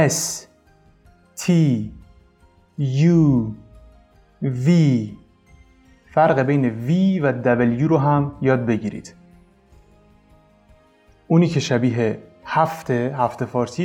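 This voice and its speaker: A man's voice: mid-range voice, darkish tone, muffled recording. A man teaching an English lesson casually, coaching his students and repeating each correction.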